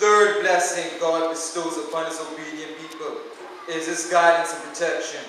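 Monotone, flat intonation at a moderate pace, with big swings in loudness, strong room echo and light background noise. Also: man, high pitch for a man. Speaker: evangelist preacher. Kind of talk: Sabbath youth sermon in church, scripture-reading exhortation. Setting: church with congregation. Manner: call-and-response cadence, punctuating lines with amen and yes; earnest rhetorical questioning of congregation. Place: church. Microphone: podium.

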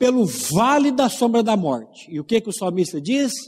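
A man speaks in a high-pitched voice. He goes at a fairly slow pace. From Brazil. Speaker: preacher. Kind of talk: sermon. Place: church. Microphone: handheld.

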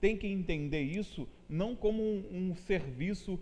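The speaker is a man. His voice is high-pitched. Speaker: TV news host and interviewer. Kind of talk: casual studio interview. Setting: studio. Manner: conversational, hesitant with many fillers. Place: studio.

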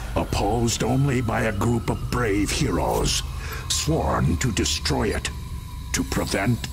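Music plays behind a man with a fairly low pitch. He speaks at a very slow pace with very wide pitch swings. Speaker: voice actor. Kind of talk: video game intro narration. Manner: ominous, dramatic.

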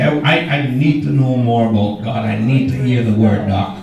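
Over light background noise with audible room echo, a man speaks with lively intonation. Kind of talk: church testimony. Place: church. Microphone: pa.

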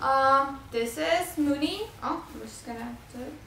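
Amid light background noise and audible room echo, a woman with a high pitch speaks with ordinary pitch variation. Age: 20s. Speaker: vlogger and new mother. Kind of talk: product review vlog. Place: home room. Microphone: camera far.

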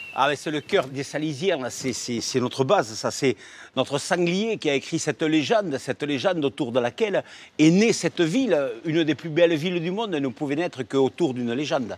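This man has a southwestern French accent and a fairly high pitch. He speaks at a moderate pace with lively intonation. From southwest France. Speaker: event announcer. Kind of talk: storytelling of local legend. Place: street. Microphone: lapel.

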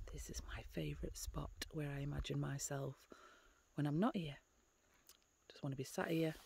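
At a moderate pace, the voice comes through dry and without echo. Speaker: hiker vlogger. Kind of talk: casual vlog chat. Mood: calm, awed. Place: open country. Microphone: phone near.

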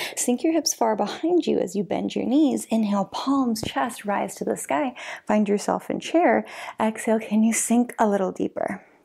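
Her voice is fairly high with a dark, mellow tone and vocal fry, as this woman speaks with lively intonation. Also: moderate pace. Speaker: yoga instructor. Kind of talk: guided yoga class with calm step-by-step cues. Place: home room.

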